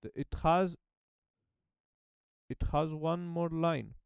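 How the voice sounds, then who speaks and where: Here a man's voice sits fairly high and comes out slow and gravelly, with a clean tone on a dry, lo-fi recording. Not a native speaker of Japanese, he's a learner working through phrases aloud in a relaxed study vlog, hesitant and repeating himself as he translates.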